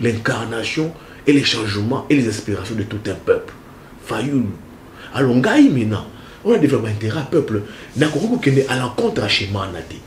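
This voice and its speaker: A man from the Congo speaking French with a Congolese accent, answering as a political analyst in an emphatic way and repeating his key phrases. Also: medium pitch. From Central Kongo, DR Congo. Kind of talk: animated interview answers. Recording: echoey room with faint noise.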